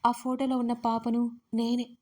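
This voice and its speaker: A shaken young woman, fighting tears, her words coming slow and broken, voiced by a woman reading an audio story. The voice sits a little high and soft, with a mellow tone. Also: completely flat delivery, natural voice. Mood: tearful. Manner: halting, broken by sobs.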